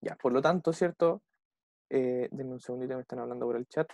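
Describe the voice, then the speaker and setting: A man's voice: mid-range voice, fairly quick, vocal fry, darkish tone, no room sound, studio quality. A young man with a Chilean accent teaching an online English class, explaining step by step and checking in with the students after almost every phrase. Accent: Chilean Spanish.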